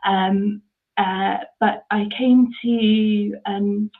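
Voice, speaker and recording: A woman in her 30s from mid Devon, England, a charity ministry worker, answers interview questions about her charity work, full of ums and restarts. Her voice is medium-pitched and steady, with drawn-out words, heard over a tinny, phone-like line.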